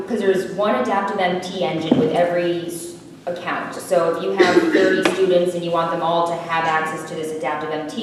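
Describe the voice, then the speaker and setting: Young-sounding woman presenting, echoey hall. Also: fairly low pitch. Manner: casual, hesitant, many fillers and restarts. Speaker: software product presenter. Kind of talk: conference presentation with audience questions. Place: conference room. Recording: echoey room, mic far off, faint noise.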